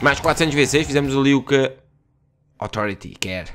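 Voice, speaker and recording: A young Portuguese man commentating a video game in an excitable, loud way, swearing and mixing in English phrases, with faint music behind him. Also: medium pitch, racing. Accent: European Portuguese. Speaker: gaming youtuber.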